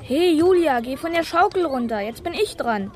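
A woman's voice: high-pitched, expressive, normal speed, a little mellow, slight background noise. A woman playing a bossy, hot-headed schoolgirl with a brash, taunting manner in a children's audio drama, over playground ambience. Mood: bossy, aggressive.

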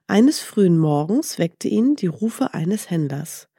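A woman calmly reading a teaching fairy tale aloud in a measured way. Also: fairly low pitch, slightly rough, dry recording, studio quality. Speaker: storyteller. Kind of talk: storybook reading.

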